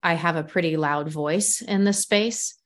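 A woman's voice: on the low side, measured pace. A woman hosting a podcast, chatting frankly, swearing at times and laughing easily. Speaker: podcast host. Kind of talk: casual podcast chat.

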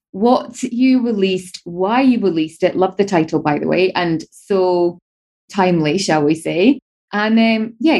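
A woman's voice: medium pitch, a little mellow. A woman hosting a podcast, asking questions in a friendly, easygoing way with small restarts. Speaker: podcast host. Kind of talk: casual interview conversation.

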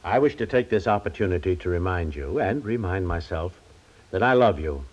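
A man's voice: deep voice, expressive, moderate pace. A man playing a stubborn, sulky husband in 1950s radio comedy, indignant and stammering, repeating himself. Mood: sulky, hurt. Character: stubborn aggrieved middle-class husband, sulky and wounded. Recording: slightly dull 1950s radio recording.

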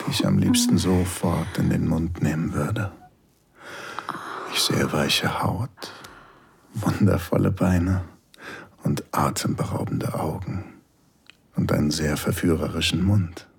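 Commanding tender lover, very low husky voice, murmured right in the ear, erotic audio drama. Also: male voice, fairly even intonation, slow, heavily acted. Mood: admiring, desiring. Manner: breathy, close-up murmur right in the ear, often near a whisper. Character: commanding, reassuring male lover, tender and desiring.

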